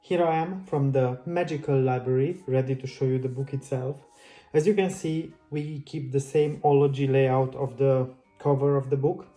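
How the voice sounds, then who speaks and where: Chatty man with a flat, mellow voice. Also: medium pitch, moderate pace, faint music behind. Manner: friendly, chatty, loose phrasing with restarts. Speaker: book channel host. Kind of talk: casual book flip-through vlog.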